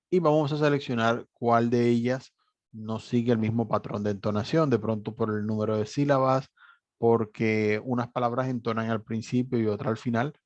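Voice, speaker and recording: Patient teacher explaining exercises. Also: male voice, mid-range voice, darkish tone, no echo. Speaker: English teacher. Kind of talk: online class walkthrough. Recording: dry, slightly dull recording.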